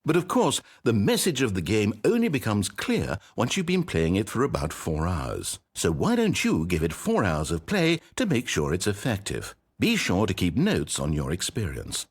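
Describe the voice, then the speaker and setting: A man's voice: lowish voice, wildly swooping pitch, normal speed, few pauses, breathy edge, dry recording, full character voice. A synthetic male voice playing a smug, dramatic game narrator, pompous and sardonic. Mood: condescending. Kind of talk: theatrical narration.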